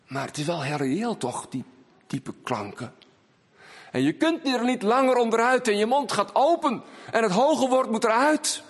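A man preaching a sermon in a church, swinging between raised emphasis and hushed, low phrases. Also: expressive, normal speed, husky. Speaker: pastor. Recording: long church reverb.

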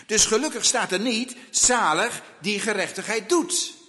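A man's voice: sits high, bright, forceful tone. Emphatic preacher man in a reverberant church. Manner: slow emphatic preaching with rhetorical questions. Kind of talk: sermon.

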